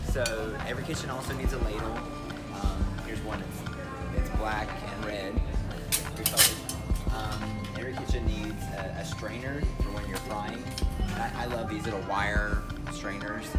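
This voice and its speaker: Loud music plays in the background as a man speaks at a moderate pace with long, frequent pauses. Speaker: vlogger showing kitchen tools. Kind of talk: casual vlog chat. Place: shop.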